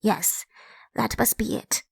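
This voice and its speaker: A woman's voice: takes it slowly, no echo, clean studio sound, close to an everyday voice. A woman voicing a vain, pompous prince who has been turned into a mixed-up animal, in a comic fairy tale audiobook. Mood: smug, lofty. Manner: pompous, self-satisfied. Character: vain, pompous prince turned into a rabbit-lion-lamb creature.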